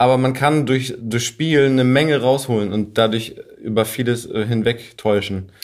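This man talks at a moderate pace and medium pitch with fairly even intonation. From northern Germany, Wedel and near Bremen. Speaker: podcast host. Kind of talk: interview.

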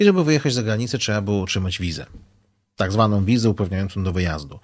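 The speech goes at a very fast pace. Its intonation is lively. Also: man, very clean recording, silent background. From Uzbekistan. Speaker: lawyer. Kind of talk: interview.

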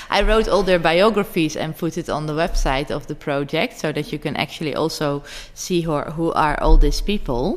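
A woman with a fairly low pitch and ordinary pitch variation talks with hardly any pauses. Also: moderate pace. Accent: Dutch. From Netherlands. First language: Dutch. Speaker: visual artist. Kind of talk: interview. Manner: halting.

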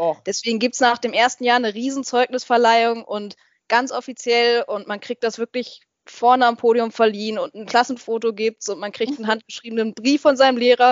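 Speaking at a fairly quick pace, a woman delivers her words in a high pitch with monotone, flat intonation. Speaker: animal management graduate, dog trainer. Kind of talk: casual interview.

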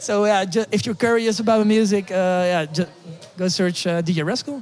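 A man speaks with a Dutch accent. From Netherlands. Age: 20s. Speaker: DJ. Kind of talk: interview. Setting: festival.

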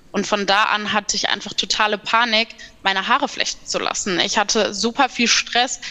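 At a moderate pace, a woman with a fairly high pitch keeps a fairly even intonation and very even loudness amid noticeable background noise. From Ruhr area, Germany. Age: 20s. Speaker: patient advocate. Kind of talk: panel discussion. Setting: video call.

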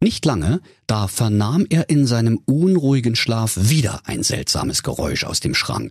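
Lively intonation marks this voice. It reads naturally.

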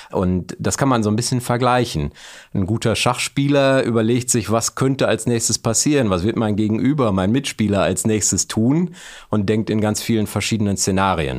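A man speaks in a normal speaking voice at medium pitch and a moderate pace, with ordinary pitch variation. His loudness stays very even on a very clean recording with a silent background. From Germany, East Westphalia (Bielefeld). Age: 30s. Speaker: product strategy manager at a farm machinery maker. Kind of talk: interview.

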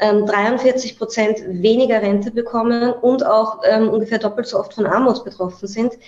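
A woman's fairly high, flat, monotone voice at a moderate pace, with noticeable background noise. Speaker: author and labour activist. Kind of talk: interview.

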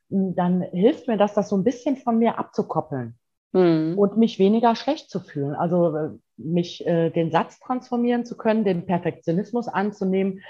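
A woman speaks at a medium pitch and a moderate pace in an ordinary speaking voice. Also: lively intonation. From Rhineland, western Germany. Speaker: life and job coach, author. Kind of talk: interview. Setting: video call.

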